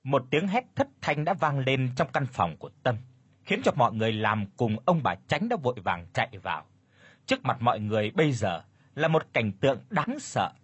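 Dramatic male storyteller reading a scripted horror tale, husky. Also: medium pitch, moderate pace, dry recording. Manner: dramatic, expressive. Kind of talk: scripted ghost story narration.

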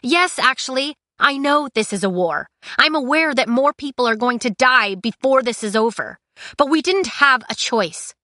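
Lady playing a defiant young woman in an audiobook, sarcastic, matter-of-fact, crisp bright voice. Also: medium pitch, animated, measured pace, dry recording, studio quality. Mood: heated. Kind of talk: audiobook character acting.

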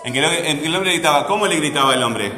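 A male teacher leads a lesson, asking his questions again and again until the students answer. His voice sits a little high for a man. It rings through a reverberant classroom with long echo. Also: lively intonation, fast, pushed and bright. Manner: repeats questions, prompts students. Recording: echoey hall, faint background noise.

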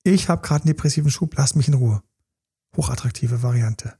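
On a casual podcast, a relationship coach chats about partnerships, acting out partners' pleas in character and sometimes dropping to a whisper. His medium-pitched voice is mellow and husky with vocal fry, and he talks a little fast.

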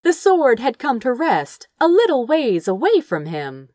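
A woman narrates a story in an expressive, theatrical style. Her pitch swings widely from phrase to phrase, and she takes her time with deliberate phrasing. The sound is dry, with very little room in it. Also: dry recording. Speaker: audiobook reader of fan fiction. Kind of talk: expressive dramatic scripted narration.

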